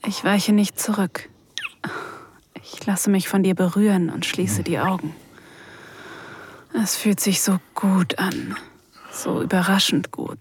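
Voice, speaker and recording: A woman acting a shy, vulnerable mature woman, narrating an erotic audio drama softly and breathily, often sinking into a whisper. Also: mid-range voice, steady tone, slow pace, long pauses, slight background noise, natural voice. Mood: sensual.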